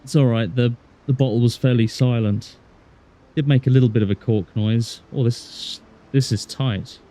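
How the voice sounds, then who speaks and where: Speaking with a medium-pitched, dark voice in a steady tone and at a moderate pace, a west of Ireland man from Galway offers easygoing, wry gameplay commentary and casual chat on his livestream, musing out loud as he plays.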